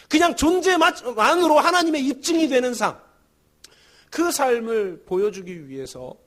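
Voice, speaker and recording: A male pastor giving a Sunday sermon, telling a story with chuckles and building to emphatic preaching. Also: extremely high pitch. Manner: storytelling with chuckles and acted quotes.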